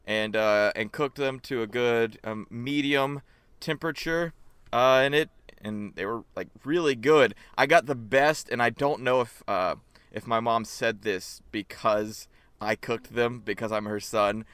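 A man co-hosting a casual podcast, recorded dry and close with no room around him. His voice is smooth and clear as he tells his story in halting bits, padded with "uh" and "like". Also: medium pitch, a bit bright, dry recording. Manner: halting, many fillers. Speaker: podcast co-host.

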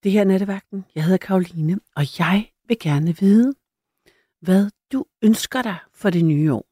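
A woman's voice: medium pitch, warm tone, husky, no echo. Woman, radio night host, chatty, hesitant, easy laugh, dry studio sound. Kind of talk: late-night call-in radio chat.

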